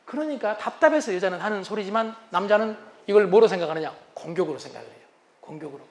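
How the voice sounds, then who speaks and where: A man giving a humorous lecture on couples' communication, animated and acting out what spouses say. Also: sits high, fast. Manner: animated, acts out spouses' lines.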